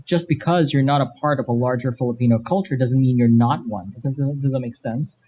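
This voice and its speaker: A man's voice: medium pitch, brisk, mellow, husky. A man talking casually and emphatically as a guest on a panel at a live convention. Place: live comic convention panel before an audience. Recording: live event, background noise.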